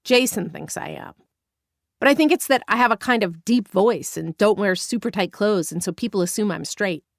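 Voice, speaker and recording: A woman's voice: mid-range voice, expressive, moderate pace, gravelly, no echo, clean studio sound. A woman reading the part of a candid, wry gay man in his thirties, speaking earnestly with light teasing.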